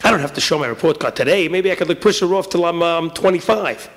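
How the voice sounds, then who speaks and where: A man's voice: on the high side, quick pace, natural voice. A man voicing a nervous schoolboy full of dread in a comic story, hesitant, pleading and grumbling. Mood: nervous, stalling.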